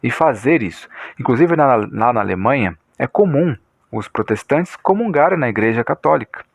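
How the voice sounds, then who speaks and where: A man's voice: medium pitch, animated, moderate pace, vocal fry, no room sound, clean studio sound. A Brazilian man giving informal religious commentary in a didactic, repetitive way, often checking that listeners follow.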